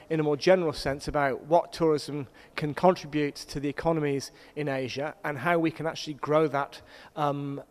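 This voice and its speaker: A middle-aged man moderating a conference panel, explaining things in a measured, storytelling way to introduce the discussion. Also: a little high. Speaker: panel moderator, senior university academic. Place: conference hall. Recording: echoey hall with long reverb.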